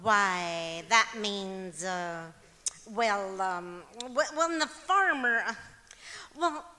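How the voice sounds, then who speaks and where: A woman's voice: medium pitch, expressive, very slow, sharp tone, exaggerated voice. A woman playing a wry, exasperated, bossy wife in an old-time radio comedy. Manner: wry, scolding. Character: exasperated, teasing wife, bossy but fond. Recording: echoey auditorium stage.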